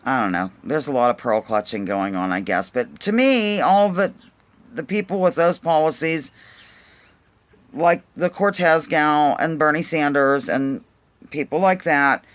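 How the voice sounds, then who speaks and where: A woman's voice: low voice, lively intonation, a little slow. A woman with a Pennsylvania accent hosting her own vlog, talking casually to viewers in a rambling, hesitant way full of ums and restarts. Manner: earnest, questioning. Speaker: vlog host. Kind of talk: casual musing monologue to viewers.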